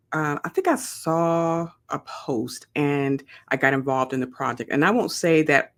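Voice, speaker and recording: A woman author speaking as a podcast guest in casual interview chat, conversational with frequent ums and restarts. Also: sits low.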